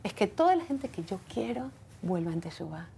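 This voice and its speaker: A woman talks as an interview guest, earnest and reflective. Her voice is warm and mellow, and her pitch sits in the middle range. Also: sing-song, fairly quick, vocal fry, breathy edge. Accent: foreign accent when speaking Hebrew. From from outside Israel.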